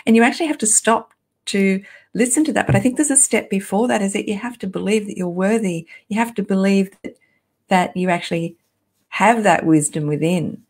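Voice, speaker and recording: A woman's voice: medium pitch, a little fast, darkish tone, breathy edge. A woman hosting an informal live talk, speaking in a down-to-earth, encouraging and conversational way. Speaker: workshop host, essential oils guide. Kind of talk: informal live online talk, answering viewer comments.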